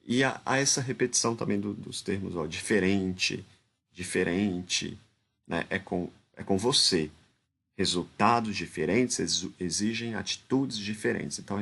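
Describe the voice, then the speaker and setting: A man's voice: sits low, creaky, fairly bright tone, slightly rough. A man with a Brazilian Portuguese accent gives informal spoken commentary analyzing a speech. He talks hesitantly, restarts phrases often and keeps adding tag questions.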